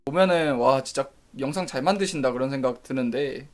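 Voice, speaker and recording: Speaking briskly at medium pitch, a man on a live stream reasons through how he reviews novels. He often breaks off to fix what he said or respond to chat, and mentions that he doesn't speak in a dialect.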